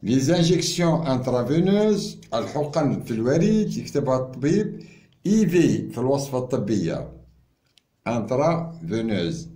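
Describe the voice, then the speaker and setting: A man teaches pharmacy terms with a warm, mellow tone and a lively, rising and falling pitch. He talks slowly, mixes in French words and often stalls and repeats himself. The room around him is echoey. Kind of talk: informal lesson.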